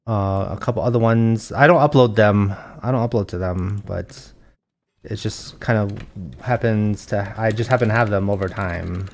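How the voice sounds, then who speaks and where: Soft-spoken young man streaming a game. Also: lowish voice. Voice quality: soft, gentle voice. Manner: soft-spoken, relaxed, reads chat aloud, thinks out loud with restarts. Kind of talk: casual live-stream chat while gaming.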